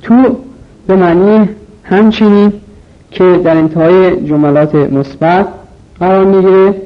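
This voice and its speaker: A man teaching an English vocabulary lesson, explaining each word slowly in an instructional way. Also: on the high side. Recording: dull lo-fi recording.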